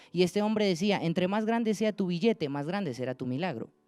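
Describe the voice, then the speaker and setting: This man talks very fast, his pitch varying in an ordinary way. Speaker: preacher. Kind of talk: sermon. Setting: online church service.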